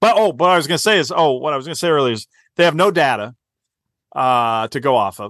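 Over a quiet background, a man with an unremarkable speaking voice talks at a fairly high pitch with lively intonation. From United States. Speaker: golf writer and co-host. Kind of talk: casual chat. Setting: remote call.

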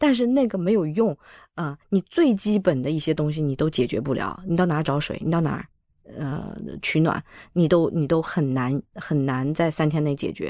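This woman has a very deep, low pitch. The recording is very clean, with a silent background. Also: lively intonation, moderate pace. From Hangzhou, China; moved to US at 14. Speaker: architect and teacher. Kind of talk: interview conversation. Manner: repeats words, hesitant starts.

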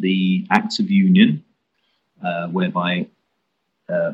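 A man talks at a fairly slow pace while music plays behind him. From London, Welsh-speaking community. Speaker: poet and broadcaster. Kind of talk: interview.

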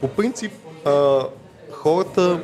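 Ordinary pitch variation marks a man's voice heard over noticeable background noise. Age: 30s. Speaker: fitness and nutrition enthusiast. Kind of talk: podcast interview. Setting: recorded in a bar with background music.

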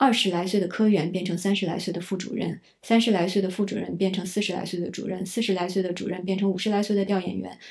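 A woman's fairly quick delivery at a medium pitch, with fairly even intonation and an ordinary speaking voice. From Northeast China, Shenyang. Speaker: writer. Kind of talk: casual chat.

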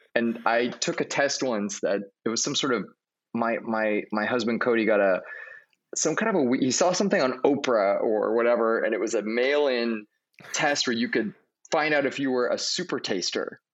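Moderate pace and very even loudness from a man with a Californian accent, medium in pitch with ordinary pitch variation. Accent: General American (California). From Los Angeles, US West Coast. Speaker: screenwriter and director. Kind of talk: casual interview.

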